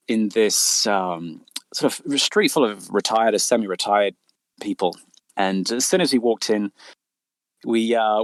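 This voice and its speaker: A middle-aged author with a lowish voice chats casually in an interview, rambling through his stories with stammered repeats and frequent "you know". The low-quality recording has no room sound.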